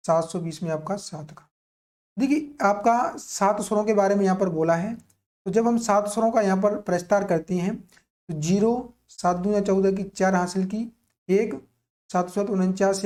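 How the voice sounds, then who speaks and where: Male Indian music tutor, soft dark tone, instructive, drills quiz answers by asking and repeating. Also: sits high. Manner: didactic, repeats key points as questions and answers. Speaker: music teacher. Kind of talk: exam-prep lesson, explaining quiz questions.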